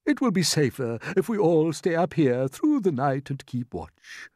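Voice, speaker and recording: A man reading aloud, voicing an old, wise male grasshopper with a measured, fatherly manner. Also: a little high, sing-song, a little mellow, no echo, clean studio sound, voice pushed up. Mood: firm.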